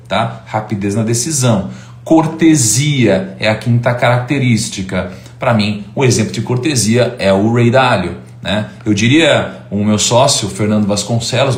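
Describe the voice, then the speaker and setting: A man's voice: medium pitch, reverberant. A man in his thirties giving a live informal lecture as host, chatty and full of tag questions. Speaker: host and teacher.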